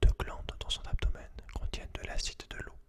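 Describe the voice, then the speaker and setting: A man speaks in a breathy, voiceless whisper, hosting ASMR. He moves between reading aloud and informal, slangy remarks addressed straight to the listener. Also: fairly quick. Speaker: ASMR video host.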